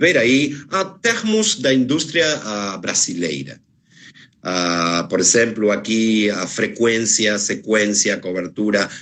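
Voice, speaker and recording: A man speaks very slowly with a Spanish accent. His fairly low voice has lively intonation. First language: Spanish (speaking Portuguese). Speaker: sales training instructor. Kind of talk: live video chat interview. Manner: halting.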